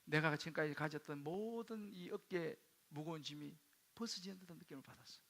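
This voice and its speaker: A male pastor telling a personal story in a sermon, dropping to hushed quoted asides and rising into sudden loud bursts. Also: fairly high pitch, brisk, creaky. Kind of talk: sermon testimony.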